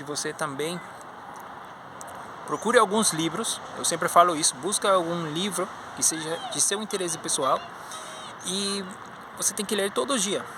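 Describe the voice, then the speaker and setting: Chatty man, street noise. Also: fairly high pitch. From Spanish-speaking country. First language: Spanish. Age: 30s. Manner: chatty and encouraging, many fillers. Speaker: language teacher and channel host. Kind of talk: casual video lesson.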